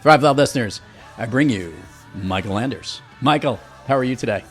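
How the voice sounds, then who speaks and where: A man's voice: medium pitch, expressive, moderate pace, a bit bright, faint music behind. A man hosting a podcast interview, upbeat and emphatic, with playful asides. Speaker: podcast host.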